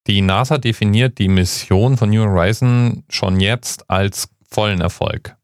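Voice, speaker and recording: Give me a deep male podcast host, conversational explainer, recorded very dry. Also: measured pace, smooth, no echo.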